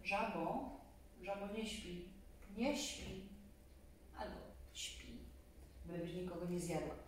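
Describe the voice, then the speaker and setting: A woman's voice: on the low side, slow pace. A woman in her forties reading a children's story expressively, with casual asides to her young listeners. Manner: expressive, addresses children directly. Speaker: storybook reader. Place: small indoor room, seated on a sofa. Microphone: camera a few metres away. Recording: very echoey room, distant mic, faint noise.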